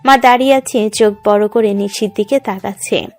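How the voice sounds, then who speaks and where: A woman's voice: medium pitch, moderate pace, faint music behind. A woman reading scripted narration for a romance story in a dramatic, descriptive way.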